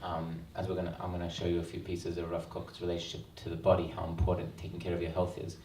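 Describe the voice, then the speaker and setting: Deep, flat Australian man speaking in a hall. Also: fast, slight background noise. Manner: earnest, reflective, frequent ums. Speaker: author. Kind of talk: book launch talk. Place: event hall. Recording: roomy hall sound, mic at a distance.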